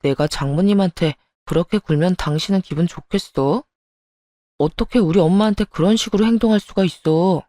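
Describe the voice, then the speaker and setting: A woman voicing a defensive husband in a radio story, lowering her voice and speaking in an accusing tone. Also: brisk, warm tone, no room sound, studio quality, close to an everyday voice. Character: defensive young married husband.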